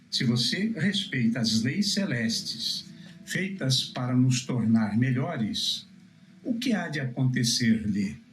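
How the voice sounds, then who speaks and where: Brazilian male preacher in a roomy echo. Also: medium pitch. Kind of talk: religious teaching, scripture exposition. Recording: roomy echo, music behind.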